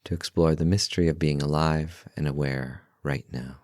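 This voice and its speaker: Man, very deep bass voice, guided meditation, calm, gentle, unhurried, long pauses, dry recording. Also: no room sound. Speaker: meditation guide, podcast host.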